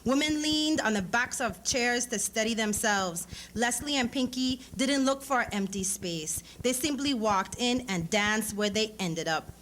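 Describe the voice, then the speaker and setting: Female literary reader, higher-pitched, expressive and measured narrative delivery, live event with faint background noise. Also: rough recording. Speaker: author reading a short story at a public event. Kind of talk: dramatic literary reading of narrative prose with acted dialogue. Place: live lecture event before an audience.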